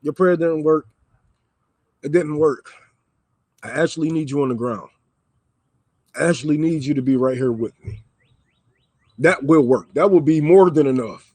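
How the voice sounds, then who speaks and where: A man's voice: on the high side, moderate pace, pauses often, a little mellow, no room sound. A man on a livestream, ranting heatedly and with profanity, repeating lines for emphasis. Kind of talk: livestream rant. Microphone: microphone.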